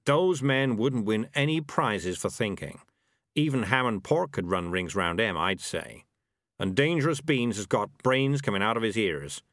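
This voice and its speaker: A man's voice: fairly low pitch, lively intonation, measured pace, a bit bright, dry recording, clean studio sound. A man voicing a sly, money-minded talking cat who grumbles and cajoles in a storybook reading. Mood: scheming.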